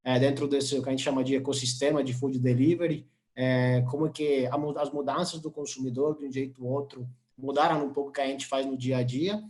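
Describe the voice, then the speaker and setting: A man's voice: medium pitch, steady tone, a little fast, hardly any pauses, darkish tone. A man from Colombia, introducing himself on an online panel in a friendly way with frequent fillers. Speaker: panelist, commercial strategy executive. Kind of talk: self-introduction on a webinar panel. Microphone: video call.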